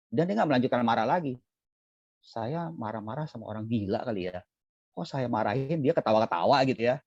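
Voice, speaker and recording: Lively, conversational Buddhist preacher man. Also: mid-range voice, husky, no room sound, dull audio. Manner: conversational, asks and answers his own questions; acts out little scenes with quick exclamations. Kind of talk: sermon. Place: temple service streamed live.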